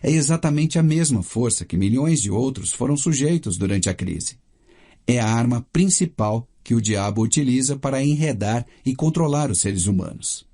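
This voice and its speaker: A man with a Brazilian Portuguese accent reading a first-person audiobook in a steady, measured way. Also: mid-range voice. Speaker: audiobook narrator.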